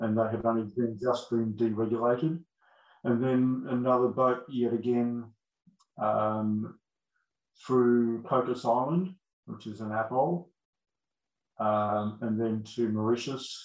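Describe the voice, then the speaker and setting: A man of medium pitch talks very slowly in an Australian accent, leaving long, frequent pauses. His intonation stays fairly even. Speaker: lawyer and mediator. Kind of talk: casual interview chat. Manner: halting, with frequent repetitions.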